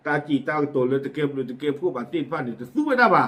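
Male news presenter, casual and chatty, slightly higher voice, lots of fillers. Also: fast talker, fairly bright tone. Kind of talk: casual spoken news commentary.

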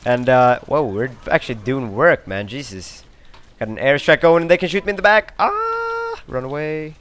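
Excitable young gamer, lively swearing. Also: male voice, on the high side, moderate pace, a little hiss or hum. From Sweden. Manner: excitable, swears often, sudden outbursts. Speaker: gameplay commentator. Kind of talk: live gameplay commentary.

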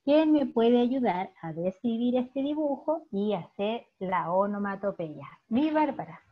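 A Chilean woman teaches children over a video call, her voice slightly high with a husky edge. She praises each answer warmly and explains things patiently. The audio is dull and lo-fi. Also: animated, unhurried. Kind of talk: online class teaching.

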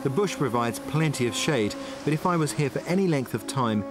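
A man presenting a survival documentary outdoors on a tropical island. He calmly explains and demonstrates each step. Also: medium pitch, a little fast, over music. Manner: calm, explanatory, tells and shows step by step. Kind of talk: documentary narration and on-location demonstration.

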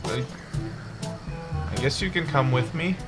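A man's voice: on the high side, a little slow. A young man giving playful, exasperated commentary while he plays a video game. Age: young adult. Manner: animated, exasperated banter. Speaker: gamer, video creator. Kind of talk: gameplay commentary with playful reactions. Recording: game music behind the voice. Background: loud game music.

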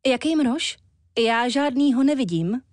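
A woman voicing a vain, scatterbrained young woman in a children's audiobook, high, chirpy and demanding. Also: expressive, a little mellow, dry recording, clean studio sound. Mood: dismissive.

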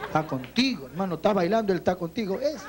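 High-voiced Peruvian street comedian, loud crowd. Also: male voice, big pitch swings, quick pace. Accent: Peruvian Spanish. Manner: loud, teasing banter with audience members. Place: outdoors before a crowd. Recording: music and crowd noise behind.

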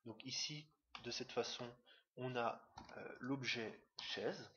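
A man teaching a screen-recorded software tutorial, talking fast and hesitantly with many fillers. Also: mid-range voice. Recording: dull lo-fi mic with faint hiss.

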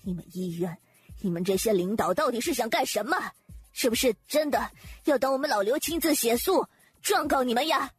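A woman acts an imperious, indignant wife of a powerful man in an audiobook drama. Her husky voice is cold, haughty and sarcastic, over faint music. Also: a little high, animated, a little fast, no room sound. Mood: stern, indignant.

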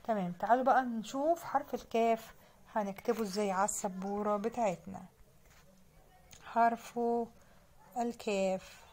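A woman's voice: mid-range voice, fairly even intonation, fast talker, a little mellow. Patient woman teacher sounding out letters. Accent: Egyptian Arabic. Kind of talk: children's reading lesson.

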